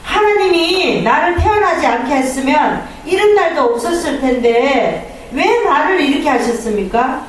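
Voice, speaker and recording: A woman pastor preaching a sermon, animated, acting out quoted prayers and complaints. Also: high voice, a little slow, slight background noise. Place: church sanctuary. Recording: echoey hall from far off.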